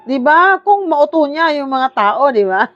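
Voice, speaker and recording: A woman's voice: high-pitched, sing-song, measured pace, faint music behind. Sarcastic woman vlogger, lo-fi sound. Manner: sarcastic, frequent tag questions and laughs. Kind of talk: casual commentary vlog. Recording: dull lo-fi audio.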